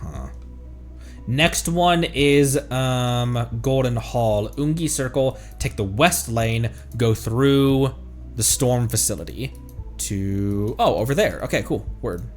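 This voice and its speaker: A man's voice: medium pitch, takes it slowly, darkish tone. A man giving casual live game commentary as a streamer, with murmured asides that trail off mid-thought. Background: game music.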